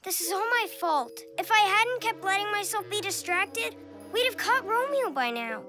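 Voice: extremely high pitch, expressive, normal speed. A performer voicing an earnest, eager, easily distracted little boy superhero in a children's cartoon. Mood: dejected. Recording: loud music behind voice.

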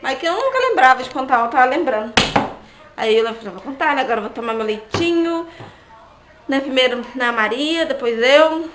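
Against a noisy background, a young adult woman tells a story in her casual vlog, speaking at normal speed in a high-pitched, animated voice. Chatty by nature, the vlogger keeps turning to her audience to ask "né, gente?".

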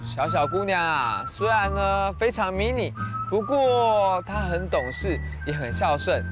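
Kids' show presenter: man, high-pitched, coaxing and drawn-out, speaking outdoors with music underneath. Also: expressive. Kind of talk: talking to young children.

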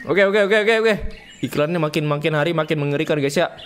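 Young man, high voice, rowdy slangy game commentary, faint background noise. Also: fast talker, a bit bright. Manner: rowdy, joking, slangy, reads game text aloud. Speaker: gaming streamer.

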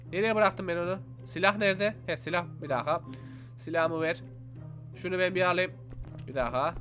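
High bright excitable young gamer. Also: male voice. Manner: animated, exclaims and talks to viewers. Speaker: gaming YouTuber. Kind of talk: excited let's-play commentary. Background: faint game music.

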